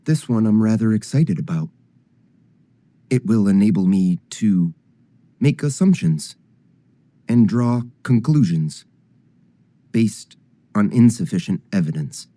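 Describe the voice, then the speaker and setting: An actor playing a weary, curious male android with measured, formal and stilted phrasing in a film drama. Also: fairly low pitch, animated, dark tone, dry recording. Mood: calm, formal.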